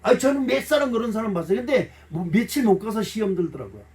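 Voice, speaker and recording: A middle-aged male pastor with a high, very animated voice preaches in a folksy, emotional way, acting out voices and tossing blunt jokes to his congregation. He is picked up from a distance in a church, so the sound is set back from the mic. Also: fast talker. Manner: blunt, joking asides to the congregation. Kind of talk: sermon. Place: church sanctuary.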